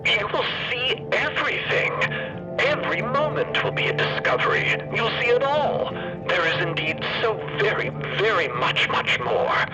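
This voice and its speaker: A pompous yet tender old inventor grandfather in an audio drama. He lectures in ornate phrases with wide swoops of pitch, music behind him. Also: lively intonation, normal speed, lo-fi sound. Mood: rapturous. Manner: verbose, theatrical, lecturing.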